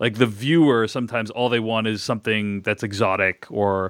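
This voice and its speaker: A man with a normal speaking voice and an American accent talks at a fairly low pitch with fairly even intonation, in a dry, close sound with no echo. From US, Taiwanese American family. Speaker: podcast host. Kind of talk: interview conversation.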